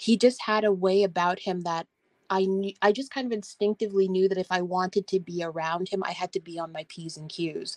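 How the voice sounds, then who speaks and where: An unremarkable speaking voice moves at a fairly quick pace with fairly even intonation and big swings in loudness, the sound dry and close with no echo. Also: woman, medium pitch for a woman. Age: 20s. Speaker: caller. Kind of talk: casual chat. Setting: call-in to live stream.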